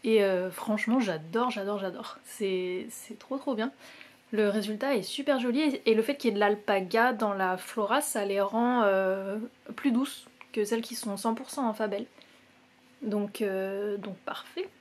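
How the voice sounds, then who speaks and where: A young woman with a French accent talks casually as a knitting vlogger. Her delivery is relaxed and full of fillers, with soft little asides under her breath. Her voice sits at an ordinary middle pitch. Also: measured pace. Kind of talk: casual chat.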